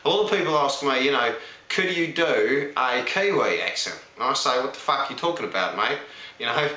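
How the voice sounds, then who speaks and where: A man's voice: medium pitch, lively intonation, brisk, sharp tone, roomy sound, poor audio. Blunt Aussie bloke, put on by a man. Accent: Australian. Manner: blunt, swearing.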